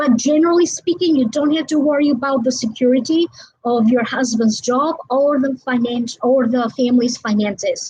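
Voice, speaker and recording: The voice has a dark, mellow tone and a non-native accent. It keeps a moderate pace with ordinary pitch variation. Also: woman, high pitch for a woman. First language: not English. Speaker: psychic reader. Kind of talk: live reading. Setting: livestream. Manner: halting.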